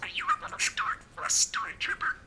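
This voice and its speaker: A pet budgie mimicking human phrases in parakeet chatter, with a squeaky, garbled, scratchy whispery voice. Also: brisk. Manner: parakeet chatter, mimicked speech in chirpy squawks.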